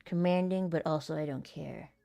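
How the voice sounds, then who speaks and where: A chatty woman with a small, light voice, laughing easily and poking fun at herself as she thinks out loud. Her voice sits a little low for a woman and sounds close and dry, with no room around it. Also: moderate pace, gravelly, no echo, faint music behind. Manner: giggly, chatty and self-deprecating, thinking out loud. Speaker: aspiring voice actor and content creator. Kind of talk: casual vlog talk while practicing voice lines.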